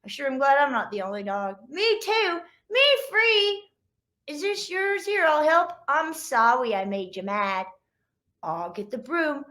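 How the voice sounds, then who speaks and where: A woman's voice: high voice, expressive, measured pace, a bit bright. A woman voicing young, squabbling puppy siblings in a children's storybook, in childlike, sing-song rhyme. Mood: conciliatory. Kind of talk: children's picture-book read-aloud.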